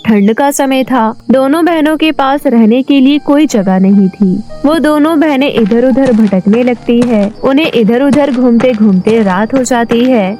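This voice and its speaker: A woman narrating a cartoon moral story in a steady scripted storytelling voice. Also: high voice.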